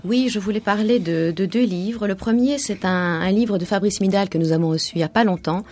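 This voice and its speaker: A woman co-hosting a radio discussion, explaining points in a measured way. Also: medium pitch, darkish tone. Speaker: co-host and commentator.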